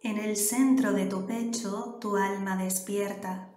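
A woman with a Canary Islands Spanish accent leads a guided meditation in a slow, level voice that barely rises or falls. She gives soft, calm instructions with long pauses, in a roomy, echoey recording with faint music underneath. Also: medium pitch. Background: soft background music.

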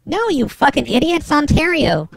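A man's voice: extremely high pitch, big pitch swings, moderate pace, gravelly, a bit bright, voice pushed up, heavily acted. A man speaking through a voice changer to play a brusque female parcel office receptionist during a prank call. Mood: snippy. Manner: snippy, dismissive, swears when pushed. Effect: voice changer making him sound like a woman. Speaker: prank caller.

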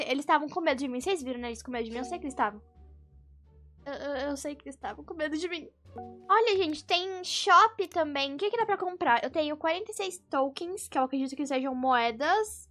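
A young Brazilian woman gives excitable game commentary in a very high, bright voice over background music. She is dramatic and easily scared as a streamer, exclaiming and repeating short phrases as she plays. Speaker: gaming streamer.

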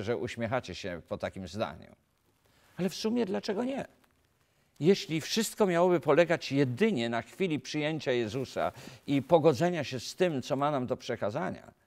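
A man in his fifties from Poland, a pastor giving an earnest sermon to camera in a studio, asking rhetorical questions, recorded on a lapel mic. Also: mid-range voice. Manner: earnest, animated preaching with rhetorical questions and gestures. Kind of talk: filmed sermon talk to camera. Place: dark studio set, indoors.

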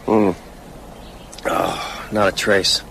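An actor playing a haunted, weary writer in a radio drama, speaking in a reflective, hesitant way. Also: male voice, low voice, flat delivery, drawn-out words, creaky, heavy background noise, heavily acted. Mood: somber. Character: haunted, weary male writer recounting evil events. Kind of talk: radio drama narration and dialogue.

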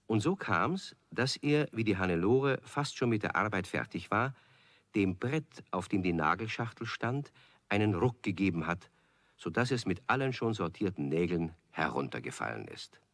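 An actor as the storyteller of a children's radio play, narrating in a measured way. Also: male voice, lowish voice, very animated, fairly bright tone. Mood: storytelling. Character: male storyteller of a children's tale.

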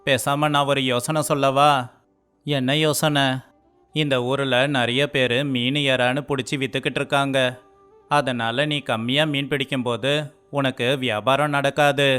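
A man speaks all the male parts of an animated story in a clean, smooth voice. He keeps a narrow, even pitch while scolding or pleading. Light music runs under the dialogue. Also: measured pace. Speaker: voice actor for all male characters.

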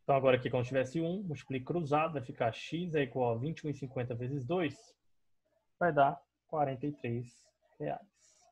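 Husky Brazilian man teaching math. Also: medium pitch, normal speed, darkish tone. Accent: Brazilian Portuguese. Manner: patient step-by-step explaining, checks in with students often. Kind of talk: online math class explaining on a digital board. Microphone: voice-over on screen recording.

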